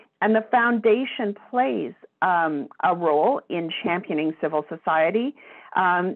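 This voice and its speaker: Behind a woman's speech, the background stays quiet. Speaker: webinar host. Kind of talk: introduction of guest speakers. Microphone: video call.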